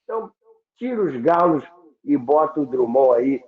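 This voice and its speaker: A Brazilian man explaining things informally as an interview guest, halting and repeating words, with rhetorical questions. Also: mid-range voice, animated, crowd noise. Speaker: interview guest on radio history. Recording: phone-like thin sound, echoey room.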